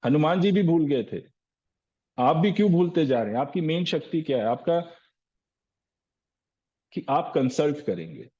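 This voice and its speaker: A man's voice: on the high side, lively intonation, unhurried, long pauses, dark tone. Man coaching, rhetorical questions, dull lo-fi. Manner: asks rhetorical questions and answers them, often says "sir". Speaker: sales trainer. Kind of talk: live training session.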